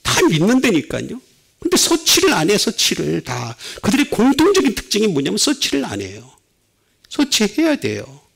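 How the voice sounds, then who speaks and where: A middle-aged male pastor preaching a sermon, with sudden swings between loud and soft. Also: sits high, wildly swooping pitch, normal speed, gravelly, breathy edge.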